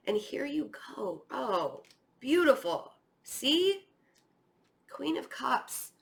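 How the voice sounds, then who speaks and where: امرأة تقرأ التاروت بأسلوب عفوي. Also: female voice, high voice, very animated, drawn-out words, creaky. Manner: chatty, rambling, encouraging, often addressing the listener directly. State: voice starting to tire. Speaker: tarot reader hosting an online reading. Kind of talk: casual, conversational tarot reading.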